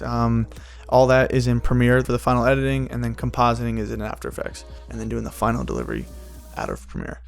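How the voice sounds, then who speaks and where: A man's voice: mid-range voice, clean tone. A man with an ordinary mid-range voice talks viewers through his creative process in a loose, casual way. He rambles and often restarts his sentences. Faint music plays underneath. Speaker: animator and video creator. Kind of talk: casual behind-the-scenes walkthrough.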